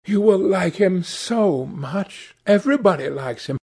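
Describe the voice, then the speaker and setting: A man's voice: sits high, animated, a little slow, a little mellow, slightly rough, pitched above the performer's own voice, heavily acted. A man reading aloud, voicing an eager, dreamy young woman in love with a breathless, gushing manner. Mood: rapturous.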